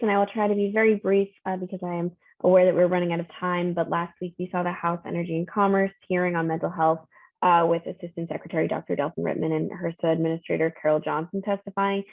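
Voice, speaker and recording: A woman giving quick federal updates in an online meeting, hurrying through with many fillers. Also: fairly low pitch, fairly even intonation, gravelly, dry recording, narrow, tinny audio. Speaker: advocacy staffer.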